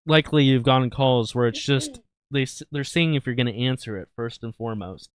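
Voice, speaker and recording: A man's voice: medium pitch, fairly quick. A man hosting a livestream with casual, satirical talk in a crude, irreverent, jokey manner. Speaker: livestream host.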